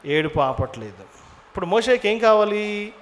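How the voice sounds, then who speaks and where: A man delivers a Bible-teaching sermon in a noticeably high voice. He teaches by questioning his listeners, often answering himself. He slips English words into his speech. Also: sing-song, moderate pace. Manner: asks the audience many questions, drops in English words. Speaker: preacher.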